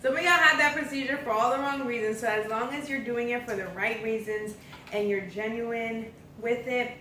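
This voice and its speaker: A woman's voice: on the high side, fairly even intonation, normal speed, pushed and bright. Female American vlog host, casual and viewer-facing, roomy echo with faint background noise. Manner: informal, addresses viewers directly. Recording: echoey room, distant mic, faint noise.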